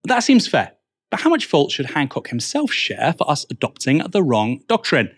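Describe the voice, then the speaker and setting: A man's voice: fairly high pitch, huge pitch swings, normal speed, breathy edge, dry recording. Male news host, dry close sound. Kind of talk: scripted news presenting.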